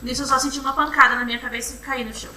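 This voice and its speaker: A young woman giving courtroom testimony, retelling events in a halting, repetitive way. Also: sits high, steady tone, crowd noise. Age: young adult. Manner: halting, repetitive retelling, often restarting with "then". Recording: roomy courtroom from far off, faint hum.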